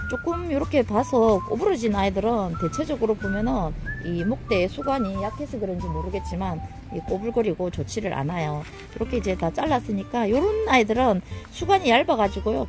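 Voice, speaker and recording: A woman with a Gyeongsang accent at a fairly quick pace, music in the background. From Gyeongsang, South Korea. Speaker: succulent grower. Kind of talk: casual gardening talk to camera.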